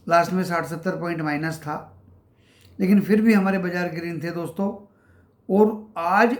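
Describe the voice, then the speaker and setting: High-voiced man in an echoey room. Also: darkish tone. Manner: addresses viewers as friends, explains levels with many pauses. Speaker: stock market channel host. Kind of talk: casual market commentary.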